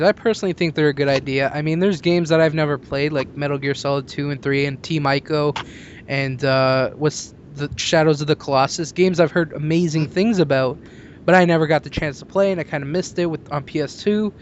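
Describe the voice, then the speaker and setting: A young man hosting a casual discussion of gaming news. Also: on the high side. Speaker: podcast host. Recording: muffled audio with faint background noise.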